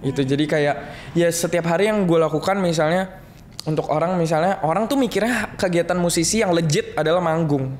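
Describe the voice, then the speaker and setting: A young man talking reflectively in a relaxed podcast chat, mixing in jokes. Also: fairly high pitch, a little fast. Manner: reflective, joking, many restarts and slang. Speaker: guest musician.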